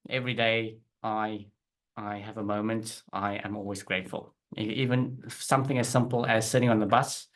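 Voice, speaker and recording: A South African man in his forties, an interview guest and business owner, telling his story in relaxed chat with restarts and fillers. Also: on the low side, moderate pace, poor audio.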